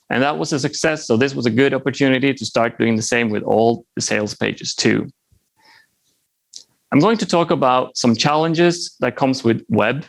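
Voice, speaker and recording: A man in his thirties from Norway gives a conference presentation in a relaxed, friendly way and drops in small jokes. His voice is gravelly with some fry. His first language is Norwegian. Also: medium pitch. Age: 30s. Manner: friendly, lightly humorous, occasional restarts. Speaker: software developer presenting.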